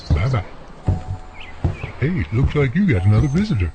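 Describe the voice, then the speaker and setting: A man's voice: mid-range voice, big pitch swings, normal speed, natural voice. An actor playing a friendly, plainspoken country handyman neighbor with an American country accent, talking folksily in a radio drama. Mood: chatty, amazed. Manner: folksy, colloquial, drawling turns of phrase. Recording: muffled, lo-fi audio.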